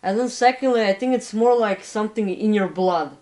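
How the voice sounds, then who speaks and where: A man's voice: high voice, a little fast, darkish tone. A man from Canada giving casual, reflective answers as an interview guest. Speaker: interview guest, musician and painter.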